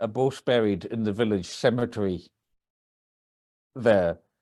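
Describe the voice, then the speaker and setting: This man speaks with a Hebridean accent. His pace is fairly slow and his pitch varies in an ordinary way. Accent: Scottish Hebridean. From Scotland, Outer Hebrides. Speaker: professor and author. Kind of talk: webinar talk.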